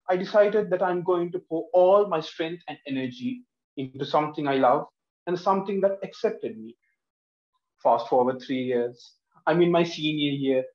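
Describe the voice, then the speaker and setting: A young man from Sri Lanka delivers a prepared speech with earnest emphasis, his voice sitting a little high. He is captured from across a room that echoes, and the sound is dull and lo-fi. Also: darkish tone. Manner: earnest and emphatic, gesturing with both hands. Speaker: speech contestant. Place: living room at home. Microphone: laptop camera across the room, headphones on.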